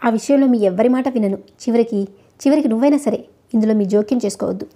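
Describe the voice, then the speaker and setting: A furious young doctor lashes out at his mother in bitter, scornful retorts, as a woman reads him aloud. The delivery is quick and the voice mellow and rather high. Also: close to an everyday voice. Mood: angry. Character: angry young male doctor, defiant son.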